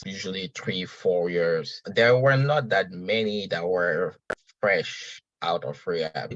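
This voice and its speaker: A man's voice: deep voice, a bit bright, no echo, muffled recording. A man, a podcast guest talking earnestly and reflectively at an uneven pace. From Senegal. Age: 30s. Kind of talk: casual conversational interview.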